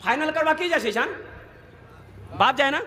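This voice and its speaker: A man's voice: very high voice, animated, moderate pace, bright, forceful tone, reverberant, big-room sound. A man from Kolkata preaching a sermon in with a tinge, rousing and rhetorical, prodding the crowd to answer and slipping in mocking jokes. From Kolkata, India. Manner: jokey, mocking asides. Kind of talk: sermon to a gathering.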